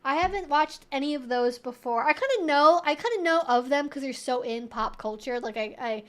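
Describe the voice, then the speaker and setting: A woman's voice: sits high, fairly quick, a bit bright. A woman livestream host chatting casually, in a rambling, informal way peppered with "like". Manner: rambling, informal, frequent "like" and swearing.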